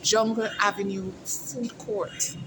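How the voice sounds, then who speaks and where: A woman's voice: mid-range voice, steady tone, slow pace, noisy background. A woman hosting a casual outdoor interview vlog, chatty and calling her viewers "guys". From Jamaica. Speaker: host. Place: outdoors at a mall food court.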